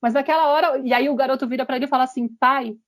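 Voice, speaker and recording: A woman hosting a podcast, retelling a story in a lively, animated way and acting out the quotes. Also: high voice, very fast. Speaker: podcast host. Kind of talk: casual podcast chat.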